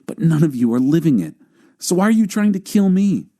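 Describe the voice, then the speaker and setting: A man's voice: a little high, sing-song, fairly quick, mellow, pitched above the performer's own voice. A man voicing a bold, challenging religious teacher with emphatic declarations in a dramatized scripture audiobook. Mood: challenging, exasperated.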